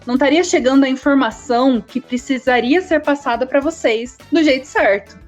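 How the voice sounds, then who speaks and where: A woman's voice: high-pitched, fairly quick, highs cut off, soft background music. A young woman with a Brazilian Portuguese accent, a speech therapy student, explaining vocal care as a podcast guest in a didactic tone. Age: young adult.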